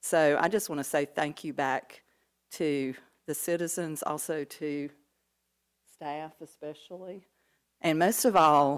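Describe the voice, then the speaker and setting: Soft-spoken, a woman with a very deep, low pitch talks with fairly even intonation on a very clean recording with a silent background. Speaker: retiring library director. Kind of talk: acceptance speech. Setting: city council meeting.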